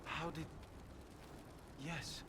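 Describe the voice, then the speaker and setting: An actor playing a courteous, injured and grieving tribal man in a fantasy game, speaking humbly and hesitantly. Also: very slow. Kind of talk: scripted fantasy game dialogue. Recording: loud background noise around the voice.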